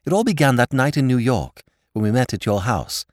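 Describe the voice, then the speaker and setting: Man voicing an earnest young gentleman, very expressive. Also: mid-range voice, brisk, dry recording, clean studio sound, close to an everyday voice. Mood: confessing. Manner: earnest, explanatory.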